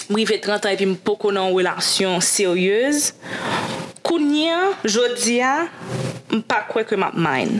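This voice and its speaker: A woman with a fairly high pitch speaks at a very slow pace with lively intonation and very even loudness, over noticeable background noise. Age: 20s. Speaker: young professional. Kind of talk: casual chat.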